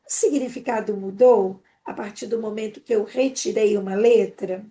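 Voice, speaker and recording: A woman with a Brazilian Portuguese accent giving a live online training for teachers, explaining quickly and eagerly with many "né?" tags. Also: mid-range voice, mellow.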